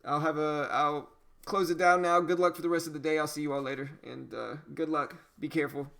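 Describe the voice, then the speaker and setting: A man's voice: a little high, a little fast, vocal fry. A man from Louisiana with a slight Cajun accent, casually chatting with viewers as host of a day-trading livestream. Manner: relaxed, conversational, says "you know" a lot. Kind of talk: casual livestream chat reading viewer comments.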